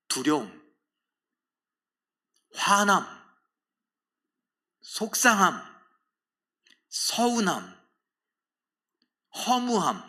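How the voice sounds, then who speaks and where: A man's voice: high-pitched, bright, forceful tone. A male pastor preaching a sermon in a dramatic way, often putting questions to the congregation.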